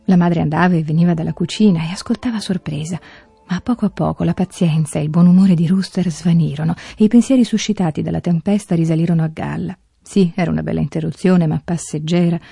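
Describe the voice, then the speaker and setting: Dark, gravelly woman reading a tale. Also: lowish voice, no echo. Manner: slow, measured reading. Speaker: radio story reader. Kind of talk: scripted narration.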